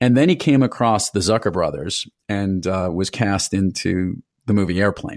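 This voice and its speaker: In a very clean recording with a silent background and a dry, close sound with no echo, a man with an ordinary speaking voice talks at a moderate pace and a fairly low pitch with ordinary pitch variation. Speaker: podcast host. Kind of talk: interview question.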